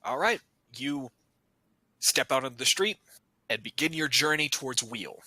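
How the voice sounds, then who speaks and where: A man narrates a tabletop game as game master, loose and joking, and he curses casually. His voice is very bright and sits close and dry. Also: medium pitch, expressive, a little slow, dry recording, poor audio. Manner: casual, joking, swears freely.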